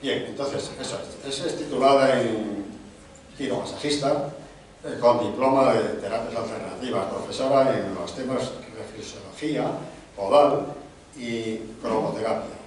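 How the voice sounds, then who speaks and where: A middle-aged man at a panel table introducing an author at a book launch. He works through a long biography in measured lists, with small hesitations and restarts. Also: mid-range voice, darkish tone, distant mic, a little hiss or hum. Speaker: event host presenting an author. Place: large conference room, seated at a panel table. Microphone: table microphone. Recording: very echoey hall, voice from off-mic.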